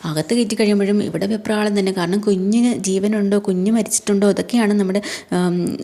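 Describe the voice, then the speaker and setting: Woman narrator, casual story recap, chatty colloquial fillers, mellow warm voice. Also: mid-range voice, fairly even intonation, brisk.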